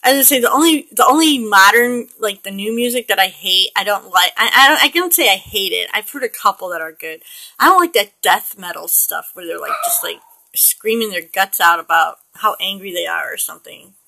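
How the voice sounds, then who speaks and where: A woman's voice: medium pitch, expressive, brisk, gravelly, pushed and bright, dry recording, low-quality recording. A woman in her late forties, chatting casually and rambling with frequent laughs while she paints digitally. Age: 40s. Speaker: digital artist.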